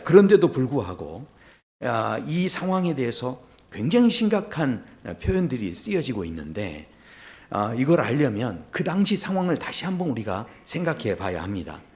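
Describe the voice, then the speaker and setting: A male pastor delivering a Sunday sermon, telling a story and answering his own rhetorical questions. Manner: storytelling, acts out quoted lines with sudden pitch jumps.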